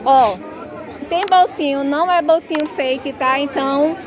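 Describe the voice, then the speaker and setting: A woman, chatting excitedly as she films herself walking through an outdoor clothing market and asking sellers for prices. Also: high voice, measured pace. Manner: gushing, chatty, repeats "minha gente". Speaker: shopping vlogger. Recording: crowd noise behind. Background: busy market crowd.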